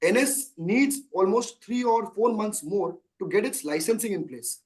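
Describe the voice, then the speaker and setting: On an earnings call, an Indian-accented CEO in his thirties gives long, emphatic answers laced with rhetorical questions. He speaks a little slowly in a high-pitched, animated voice.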